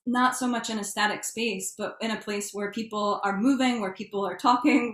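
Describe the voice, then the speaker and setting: A woman's voice: medium pitch, fairly bright tone. A woman speaking as a writer on a discussion panel, in a reflective, exploratory way. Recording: echoey room sound.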